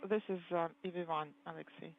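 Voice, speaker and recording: A man interpreting crew talk live over a tinny space-to-ground radio loop, halting and full of fillers. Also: fairly high pitch, fairly even intonation. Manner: halting, with frequent fillers and restarts. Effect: tinny space-to-ground radio, like a communicator. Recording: thin phone-like radio channel with faint hiss.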